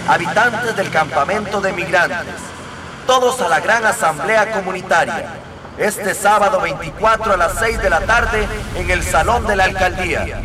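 An actor playing a town announcer calling out a notice over a loudspeaker, in a radio drama. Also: male voice, high-pitched, normal speed, slight background noise. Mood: announcing. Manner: proclaiming, announcing. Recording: distant echoey street loudspeaker.

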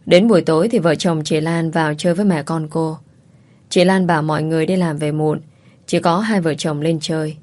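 A woman narrating a drama story in a calm, unhurried, reflective way. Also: low-pitched.

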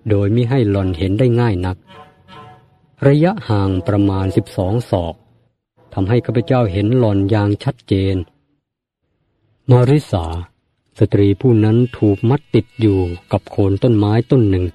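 A man narrates a novel in a steady, formal storytelling manner. His voice sits low and sounds warm and mellow. Soft music plays faintly behind him throughout. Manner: measured, formal storytelling delivery. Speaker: audiobook narrator.

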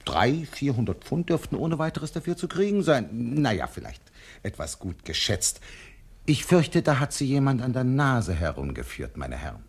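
An actor playing a wary, dry-witted jewel fence in a radio crime comedy, with a gravelly, husky voice and a hesitant, understated manner. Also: male voice, mid-range voice, big pitch swings, normal speed. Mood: dryly appraising. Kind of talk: 1970s German radio crime comedy acting.

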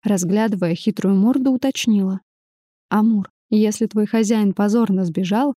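Brief: female audiobook reader, mellow tone, dry close recording. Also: mid-range voice, normal speed, no echo. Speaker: audiobook narrator. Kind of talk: first-person audiobook narration.

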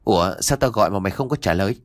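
A man's voice: lowish voice, normal speed, no echo, studio quality, lightly acted. A man voicing a casual, blunt young male student friend.

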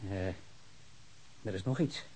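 An actor playing a meek, simple murder suspect in a radio drama, speaking haltingly and plainly. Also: male voice, low voice, dark tone. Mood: anxious, hesitant. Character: meek, slow-witted male murder suspect fretting over his animals. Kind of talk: naturalistic radio drama acting. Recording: muffled, clearly hissy drama recording.

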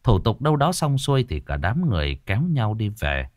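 A man narrating a ghost story in a dramatic, expressive way. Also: on the low side, brisk, dry recording, clean studio sound.

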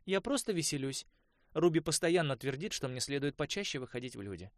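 A man's voice: on the high side, very animated, brisk, dry recording, voice pushed up. A man voicing a tipsy, chatty young woman student who rambles in a raised voice. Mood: rambling.

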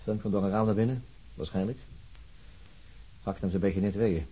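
Radio crime drama: terse male detective inspector, very husky mellow voice, sceptical and matter-of-fact. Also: lowish voice, moderate pace, highs cut off. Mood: sombre, probing.

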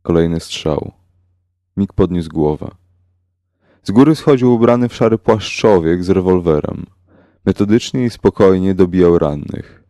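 A man narrating a horror story in a slow, measured, grave way. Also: low-pitched, warm tone, no room sound, studio quality. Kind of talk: scripted horror audiobook narration.

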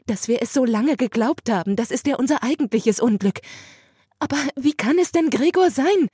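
A woman's voice: high voice, animated, moderate pace, warm tone, slightly rough, no room sound, clean studio sound, voice pushed up. A woman voicing a young sister who speaks urgently and tearfully in an audiobook reading, pleading and insistent. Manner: urgent, pleading, rising to cries.

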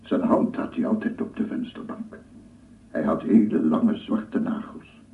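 An actor playing a dreamy, secretive, gentle man in a radio drama, musing in hesitant fragments. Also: deep voice, a little slow, vocal fry. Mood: gentle, mysterious. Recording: distant, phone-like archive radio recording.

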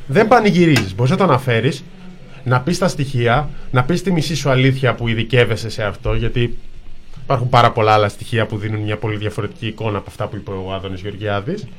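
A man co-hosting a political talk show, arguing insistently and piling up lists of examples. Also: medium pitch. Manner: insistent, argumentative, piles up lists. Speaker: co-host. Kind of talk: casual political commentary.

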